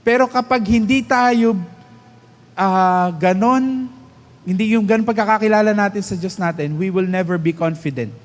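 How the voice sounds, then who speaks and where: Filipino male pastor, high voice, slow deliberate delivery, long church-hall reverb. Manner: mixes English and Tagalog, drawn-out emphatic phrases. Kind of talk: sermon.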